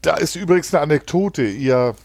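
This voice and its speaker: A man's voice: on the high side, animated, moderate pace, creaky, a little mellow, husky, dry recording. A man from Hamburg co-hosting a casual podcast chat, telling family anecdotes in an easygoing, agreeable way. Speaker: podcast co-host.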